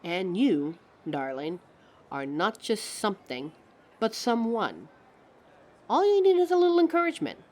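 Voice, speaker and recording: A woman's voice: medium pitch, big pitch swings, unhurried, darkish tone. A woman voicing a living fashion mannequin in a scripted audio roleplay, haughty yet encouraging, with a dramatic, articulate delivery aimed straight at the listener. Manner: theatrical, dramatic, articulate, addresses listener as darling.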